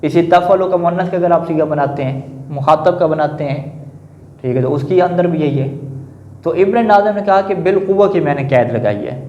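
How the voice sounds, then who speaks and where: A man's voice: a little high, a little hiss or hum. Man lecturing, answering his own questions. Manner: asks the class questions and answers them himself; repeats a confirming filler often. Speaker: teacher. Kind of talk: classroom lecture on Arabic grammar. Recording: echoey room, dull lo-fi sound.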